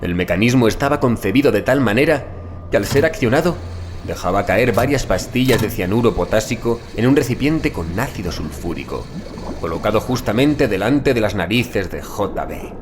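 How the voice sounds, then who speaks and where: A man narrating a scripted first-person horror story in a measured, deliberate literary manner. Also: fairly low pitch, lively intonation, noisy background. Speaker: audiobook narrator.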